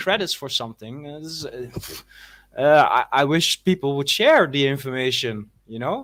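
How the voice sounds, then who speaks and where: With a Dutch accent, a man talks at a moderate pace, his lively intonation paired with big swings in loudness. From Netherlands. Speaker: guest on live stream. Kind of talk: casual chat. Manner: halting.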